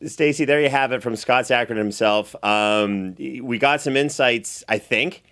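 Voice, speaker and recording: A man's voice: medium pitch, measured pace, a bit bright, clean tone. A man hosting a podcast in a casual, conversational interview style, generous with compliments. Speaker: podcast host and producer.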